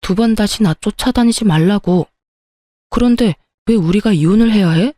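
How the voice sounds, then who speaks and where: A woman's voice: mid-range voice, moderate pace, mellow, no echo, lightly acted. Brief: woman voicing an excuse-making, whiny husband, dry close sound. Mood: pleading. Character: cheating husband, defensive and pleading.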